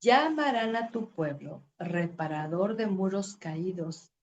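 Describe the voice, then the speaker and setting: Expressive woman preaching Bible teaching. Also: fairly low pitch, highs cut off. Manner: expressive, acts out dialogue and reads scripture slowly. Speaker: women's ministry teacher. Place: church.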